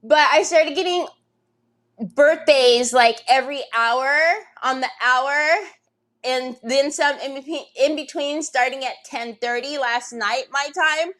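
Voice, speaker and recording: A woman in her fifties with a high, bright-sounding voice hosts a craft livestream. She greets viewers one by one in a bubbly, chatty way and laughs easily. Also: a little slow. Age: 50s.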